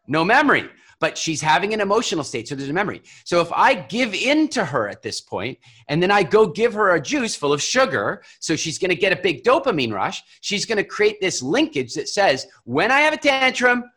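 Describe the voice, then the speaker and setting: Bright-voiced male guest, lively storyteller, tends to restart his sentences. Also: a little high, breathy edge. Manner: animated storyteller, acts out voices; repeats words when starting sentences. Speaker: guest, parenting and business coach. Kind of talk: casual interview talk.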